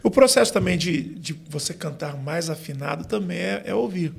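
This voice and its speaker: A Brazilian gospel singer and vocal coach explaining singing on a podcast, with lots of "né" and "tipo" fillers. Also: male voice, high-pitched, animated, moderate pace, creaky, slightly rough. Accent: Brazilian Portuguese. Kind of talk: podcast interview.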